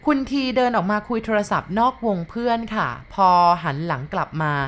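A woman's voice: medium pitch, lively intonation, fairly quick. A woman narrating a ghost story to her listeners in a polite, storytelling manner.

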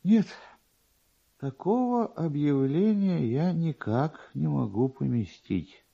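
A man voicing an officious, pedantic, slow-witted male newspaper clerk in a dramatised literary reading, drawing his words out. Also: a little high, animated, gravelly, dark tone, heavily acted. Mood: officious, reluctant. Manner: deliberate, drawn-out, pedantic. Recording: dull, lo-fi archive radio recording.

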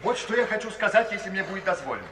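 An actor playing a mild, kindly, deferential gentleman in a radio play, polite and pleading. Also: high-pitched, sing-song, racing, a crowd in the background. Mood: earnest, tactful. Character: mild, courteous, kind-hearted gentleman, anxiously tactful. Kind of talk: 1950s Soviet radio theatre acting. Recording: old radio recording, long reverb, distant.

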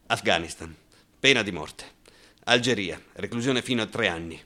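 An actor playing a bitter, wounded gay man in a colloquial, impassioned radio monologue, halting, repeating words and asking sarcastic rhetorical questions. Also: on the low side, bright, forceful tone. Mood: stern, declaiming. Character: bitter, wounded gay man denouncing macho military cruelty.

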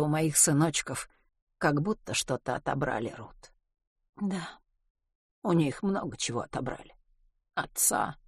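A woman's voice: sits low, a little mellow, husky, dry recording, studio quality, exaggerated voice. A woman reading an audiobook and voicing a fretful, tearful middle-aged mother who laments emphatically about her sons. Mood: sad.

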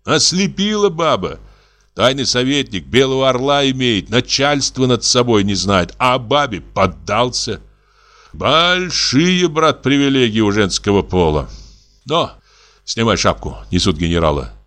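A man's voice: big pitch swings, a little slow, fairly bright tone. A man reading a classic story aloud in a theatrical way, pushing his voice up and down for emphasis. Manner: theatrical, swinging pitch for emphasis. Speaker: audiobook reader. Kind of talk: expressive literary reading.

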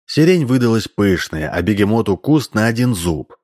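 A man's voice: on the low side, very animated, normal speed, darkish tone. A man narrating a comic story as an audiobook in scripted narration.

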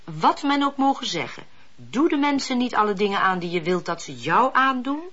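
An actress playing a brisk, opinionated woman in a Dutch radio drama. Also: medium pitch, big pitch swings, fairly bright tone. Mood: brisk, assured. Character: brisk, opinionated woman helper, pious letter-answerer. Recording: dull lo-fi radio play recording.

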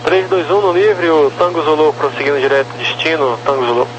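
Higher-voiced male air traffic controller on radio. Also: fairly quick, muffled recording. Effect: aviation radio. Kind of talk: radio instructions to aircraft. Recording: noisy radio channel with hum.

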